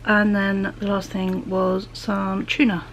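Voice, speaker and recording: A woman's voice: medium pitch, completely flat delivery, slow, vocal fry. A woman, chatting casually through a grocery haul at home, with plenty of ums and a slight hay fever wheeze. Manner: chatty, many ums, drifts into soft half-whispers. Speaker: vlogger. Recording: background noise.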